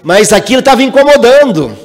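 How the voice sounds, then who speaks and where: With a very high-pitched voice and a fairly quick delivery, a lively man lectures at a spiritist center in a hall with long reverb. Hailing from Minas Gerais, Brazil, he is an emphatic, animated storyteller sharing personal experiences in a spiritual talk.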